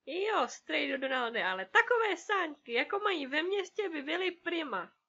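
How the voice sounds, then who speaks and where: Woman doing eager little duck nephews, high and bright. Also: very animated, lo-fi sound, full character voice. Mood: wheedling. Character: three eager young duck boys speaking together.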